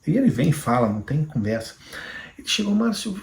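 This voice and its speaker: A middle-aged man with a Brazilian Portuguese accent, telling his personal faith testimony in an animated, fervent way. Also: mid-range voice, fast talker, gravelly, slight background noise. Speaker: Christian YouTuber giving a testimony. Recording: roomy echoing room.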